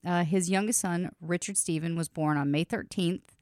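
A woman hosting a casual music podcast, talking in quick, chatty bursts and laughing often, a little sniffly from allergies. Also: on the low side, steady tone, a little mellow, clean tone, no room sound, clean studio sound. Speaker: podcast host. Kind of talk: casual chat.

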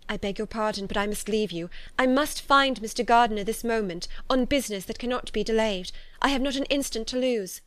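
A woman voicing an agitated, distraught young gentlewoman from a period novel, speaking in impassioned, anguished exclamations. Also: a little high, a little fast, few pauses, no echo, natural voice. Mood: urgent, flustered. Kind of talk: dramatic audiobook character acting.

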